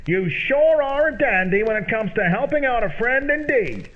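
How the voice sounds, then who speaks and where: A man playing a sly, overpolite, folksy scrounger in an old-time radio comedy, wheedling and flattering as he talks. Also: extremely high pitch, normal speed, dull audio. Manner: folksy, flattering, repetitive phrasing.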